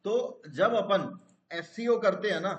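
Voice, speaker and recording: A man's voice: high voice, slow, reverberant. A man teaching a live online class, explaining step by step and asking his students questions.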